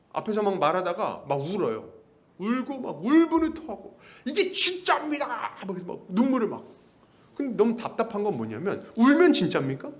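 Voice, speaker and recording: A man preaching an expository sermon as a pastor, lively and now and then imitating others. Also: very high voice. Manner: lively, mimics the people he talks about.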